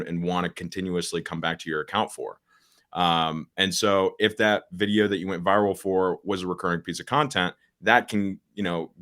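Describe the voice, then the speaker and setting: A teenage man with a very low, deep voice. He speaks plainly and gets straight to the point, often restarting his sentences and filling pauses with "um" as he explains in a casual podcast chat. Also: fairly bright tone. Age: teens. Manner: straightforward, with frequent restarts and fillers. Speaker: guest, social media agency founder.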